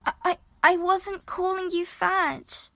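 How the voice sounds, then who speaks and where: A woman plays a young heist partner in an audio drama, anxious yet bossy. Her voice is high and forward, recorded dry, with an urgent, easily flustered delivery. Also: fairly even intonation, slow, vocal fry, bright, forceful tone, no echo, exaggerated voice.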